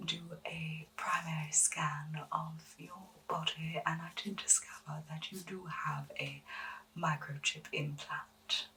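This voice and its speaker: Woman playing a slow, whispering eccentric lady doctor. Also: sits low, bright, forceful tone, far from the mic, a little hiss or hum, full character voice, low-quality recording. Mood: reassuring, clinical. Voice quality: breathy whisper. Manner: soothing, measured, formally polite. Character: gentle, eccentric female doctor at strange monster clinic. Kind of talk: whispered ASMR medical roleplay.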